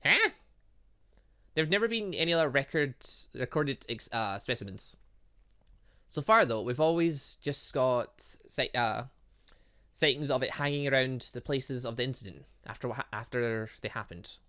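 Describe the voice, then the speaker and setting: A man acts out an older gentleman scientist in a visual novel game. He is polite and formal, explaining in measured, halting phrases. The voice sits at a middling pitch with a bright edge. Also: expressive, smooth. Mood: measured, intrigued. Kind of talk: reading visual novel dialogue.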